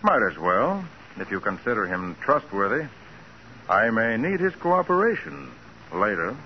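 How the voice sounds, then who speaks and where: An actor playing a cool, daring private detective with an American accent, confident and unruffled in 1940s radio crime drama style. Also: male voice, lowish voice, sing-song, a little slow. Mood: businesslike. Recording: dull, noisy 1940s radio recording.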